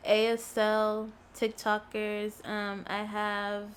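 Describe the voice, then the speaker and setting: A young woman being interviewed, giving relaxed, short answers with frequent giggles. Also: mid-range voice, slow pace, clear, resonant tone. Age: young adult. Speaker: interview guest. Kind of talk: casual interview chat.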